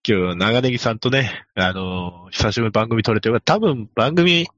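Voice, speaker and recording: A man hosting a podcast, chatting casually in a quick, teasing way. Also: on the low side, fairly bright tone, dry recording, muffled recording. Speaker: podcast host. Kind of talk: casual chat.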